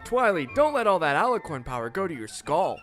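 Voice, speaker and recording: A man voicing an excitable, melodramatic geeky male pony in a comedic fan fiction reading with music behind. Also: a little high, a little fast. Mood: amused, proud. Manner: melodramatic, exclamatory. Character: excitable geeky adult male cartoon pony, easily panicked. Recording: background music under the voice.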